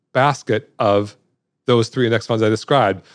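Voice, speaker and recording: This man has a plain, everyday voice with a fairly low pitch and ordinary pitch variation. He speaks at a moderate pace against a quiet background. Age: 40s. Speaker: personal finance educator and retired entrepreneur. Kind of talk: casual interview explaining investing basics.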